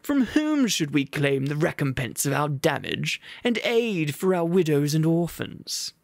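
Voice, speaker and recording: A man voicing a posh, obnoxious male town master who speechifies loudly and haughtily. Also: a little high, sing-song, gravelly, no echo, heavily acted. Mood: indignant. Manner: loud, haughty, drawn-out speechifying.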